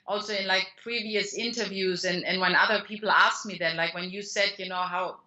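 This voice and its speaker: A woman's voice: mid-range voice, steady tone, brisk, bright, forceful tone, muffled recording. A woman with a German accent, a guest author talking through her career in a rambling way, with many restarts and fillers. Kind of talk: conversational interview answers.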